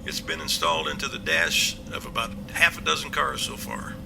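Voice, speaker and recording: A man playing a confident police captain in an amateur audio drama, explaining things in a measured, matter-of-fact way. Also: deep voice, big pitch swings, gravelly, noisy background, full character voice.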